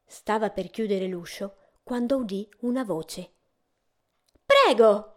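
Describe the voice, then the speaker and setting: A woman gently narrating a fairy tale in a measured storytelling way. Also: medium pitch.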